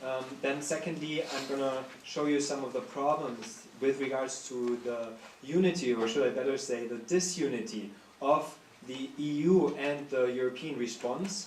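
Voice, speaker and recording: A man with a German accent speaks at a moderate pace, in a fairly high pitch with ordinary pitch variation. Noticeable background noise and audible room echo are present. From Germany. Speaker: political science professor. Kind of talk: panel presentation. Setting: university panel with audience. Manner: hesitant, many fillers.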